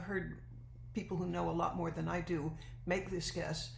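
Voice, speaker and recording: Audible room echo and noticeable background noise surround this recording. A woman talks at a moderate pace. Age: 80s+. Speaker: anti-human trafficking advocate. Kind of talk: interview conversation. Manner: halting, with frequent repetitions.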